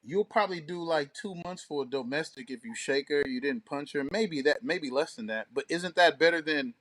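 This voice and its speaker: A man co-hosting a casual radio talk show, talking in slangy, profane, animated banter and storytelling. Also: on the high side, moderate pace.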